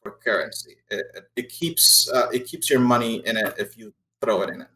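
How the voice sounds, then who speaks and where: A man's voice: mid-range voice, moderate pace, pushed and bright. Man game-mastering in an echoey room. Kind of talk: narrating a tabletop game.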